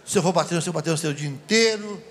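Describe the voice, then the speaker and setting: Guy doing an angry mom yelling at her kid, high squeaky voice, loud. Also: fast, slight background noise, close to an everyday voice. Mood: teasing. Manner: threatening, then teasing. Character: stern scolding mother, middle-aged woman.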